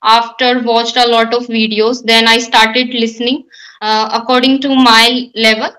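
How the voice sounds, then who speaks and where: Bright-voiced young Indian woman on a call. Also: a little high, flat delivery, measured pace, low-quality recording. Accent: Indian English. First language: Hindi and Marwari. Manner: thoughtful, careful, with frequent light laughs. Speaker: guest learner. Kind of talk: English speaking practice conversation. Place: indoor room at home. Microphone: video call webcam.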